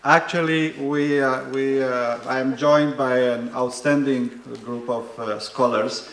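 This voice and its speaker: A man from Romania moderating an academic panel, introducing speakers in a measured way with frequent fillers and dry humor. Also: medium pitch, fairly even intonation, a bit bright, slight background noise. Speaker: higher education policy researcher. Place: conference hall. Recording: echoey conference hall.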